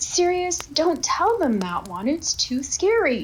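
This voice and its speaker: A high-pitched, put-on character voice goes at a fairly slow pace over clear background noise. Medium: audio drama.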